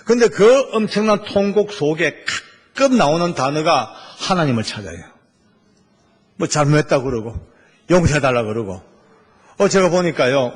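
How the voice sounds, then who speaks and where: Man, middle-aged, sermon testimony, somewhat high voice, husky. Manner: animated storytelling with Gyeongsang dialect. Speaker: church elder and prison official preaching. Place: church sanctuary.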